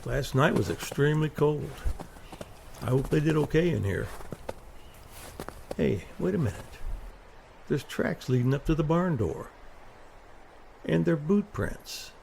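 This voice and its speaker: A man playing a folksy, easygoing police captain and caretaker in an audio drama, with a gravelly voice. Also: fairly high pitch, big pitch swings, slow pace, long pauses, a little mellow, a little hiss or hum, heavily acted. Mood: puzzled, curious. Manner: folksy, drawling exclamations.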